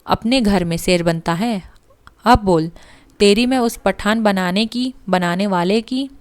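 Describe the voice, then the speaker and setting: A woman voicing a thin, excitable male clerk who shouts abuse at a fellow passenger on a train. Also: medium pitch, a little slow, smooth, no echo, close to an everyday voice. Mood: furious shouting. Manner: shouting, furious, abusive.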